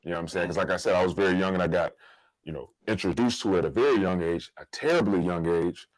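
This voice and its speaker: A man's voice: low-pitched, fast, dry recording, low-quality recording. An American man hosting a podcast, talking casually in informal slang as he shares personal stories and advice. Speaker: podcast host.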